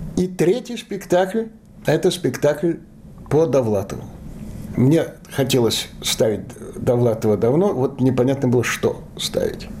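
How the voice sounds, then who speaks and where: At a very slow pace with long, frequent pauses, a man with a fairly high pitch speaks with very wide pitch swings and big swings in loudness. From Soviet Union, born in Chernivtsi, Western Ukraine. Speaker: theatre director. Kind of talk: interview. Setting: his apartment, recorded on location.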